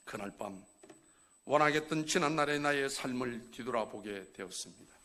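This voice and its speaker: A middle-aged man, a church elder, giving an emotional testimony sermon that swings from hushed pleading to loud exhortation. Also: medium pitch, animated, normal speed.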